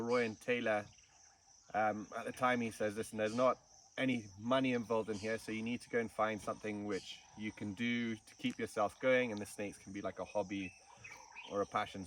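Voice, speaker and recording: Male guest from Kenya, relaxed storyteller, interview recorded at a distance outdoors. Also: lowish voice, moderate pace. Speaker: snake farm curator. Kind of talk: casual interview. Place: outdoors in the bush. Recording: distant mic with faint insect noise.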